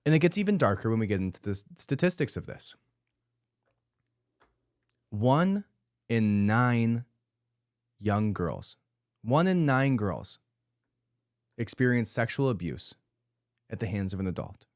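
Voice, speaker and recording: A man's voice: fairly low pitch, sing-song, measured pace, long pauses, a little mellow, no echo, studio quality. A man hosting a podcast, giving an emphatic, indignant commentary monologue and repeating his points for emphasis. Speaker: podcast host.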